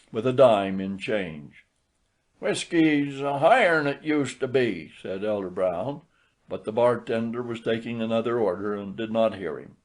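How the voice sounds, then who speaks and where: A man's voice: on the low side, darkish tone. A man narrating a literary short story as a scripted audiobook reading.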